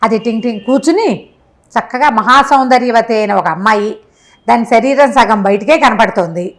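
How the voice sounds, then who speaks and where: High-voiced woman telling a story expressively. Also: moderate pace. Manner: expressive, acts out dialogue, emphatic repetition. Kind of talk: animated oral storytelling of a moral tale, conversational.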